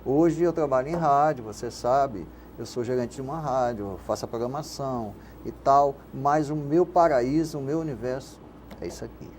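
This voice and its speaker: Older Carioca man, mellow voice. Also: mid-range voice, moderate pace. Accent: Carioca Brazilian Portuguese. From Rio de Janeiro, Brazil. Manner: reflective, rambling with frequent "né?" tags. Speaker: guest, radio station manager and poet. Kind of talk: casual interview conversation. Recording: faint background noise.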